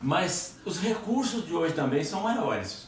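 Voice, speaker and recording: Noticeable background noise sits behind a man who talks at a very slow pace, his pitch swinging very widely. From Brazil. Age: 70s. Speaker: pastor's father. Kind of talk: interview. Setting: livestream.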